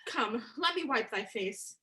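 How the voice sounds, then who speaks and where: A motherly queen played by a woman, fond yet willful, in a high and bright voice. She reads Shakespearean lines as part of a staged play. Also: lively intonation, a little slow. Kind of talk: dramatic reading of Shakespearean verse.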